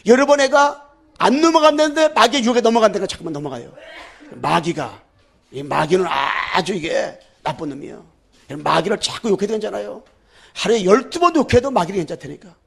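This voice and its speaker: A male pastor preaches with fervor, his voice pitched high and rough with gravel. He swings from loud, shouted declarations down to quiet, low asides, and has the congregation repeat phrases after him. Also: animated, a little fast. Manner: leads the congregation in call-and-repeat. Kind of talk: sermon.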